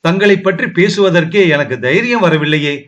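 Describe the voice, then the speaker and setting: A man's voice: high voice, animated, moderate pace, fairly bright tone, highs cut off. A man reading the lines of a young princess, fearful and tearful, in a pleading, sorrowful way, with little change from his own voice.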